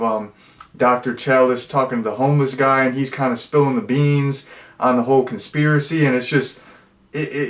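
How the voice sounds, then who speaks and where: Rambling man reviewing a movie. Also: medium pitch. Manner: rambling, full of fillers and jokey asides. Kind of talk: casual chat. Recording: roomy echo.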